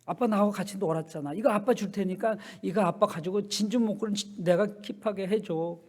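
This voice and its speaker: A man's voice: high-pitched, a little fast, darkish tone, pitched above the performer's own voice. A man voicing a sweet five-year-old girl who dotes on her father, in a pleading, childlike way.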